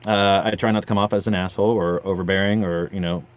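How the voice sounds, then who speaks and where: A man's voice: sits low, steady tone, quick pace, muffled recording. A middle-aged man chatting casually as a podcast guest, a joking storyteller who acts out little quotes. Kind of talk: casual interview chat.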